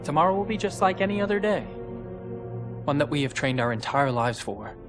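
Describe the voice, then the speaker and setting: A man's voice: fairly high pitch, animated, a little fast, over music, close to an everyday voice. A man playing an earnest, supportive young cadet with an encouraging manner in a video game cutscene. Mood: gently reassuring. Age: young adult. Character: earnest, supportive young male mech cadet, steady leader.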